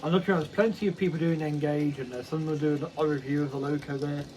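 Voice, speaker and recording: A man's voice: on the high side, steady tone, fast talker, darkish tone, slight background noise, poor audio. A man casually vlogging about his model railway hobby, rambling and correcting himself with many ums. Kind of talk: casual unboxing chat.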